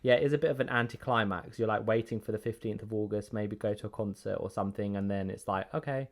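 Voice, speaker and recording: A man's voice: fairly low pitch, fast talker. A man with an English accent, born in Greece, co-hosting a podcast in casual, chatty conversation. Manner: relaxed, chatty, with fillers. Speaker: podcast co-host.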